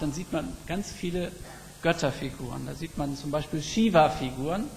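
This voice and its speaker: Man preaching in a reverberant hall. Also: fairly high pitch. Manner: reflective, slow emphatic storytelling. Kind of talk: sermon. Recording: long reverb with faint background noise.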